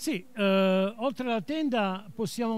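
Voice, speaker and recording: A man speaks at a fairly slow pace, his voice dry with no echo. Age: 70s. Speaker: business owner; guest. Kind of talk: radio interview. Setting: live radio broadcast at a trade fair stand. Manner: halting. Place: hall. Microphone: studio mic.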